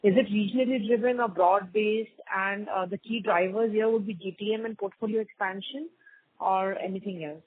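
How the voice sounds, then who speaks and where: A woman speaks over a narrow, dry phone connection. Her voice is rough-edged and husky as she questions company management as an analyst. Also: medium pitch, fairly even intonation, moderate pace, no echo. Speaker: financial analyst. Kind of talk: questioning on an earnings call. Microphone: phone call. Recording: tinny, dry phone line.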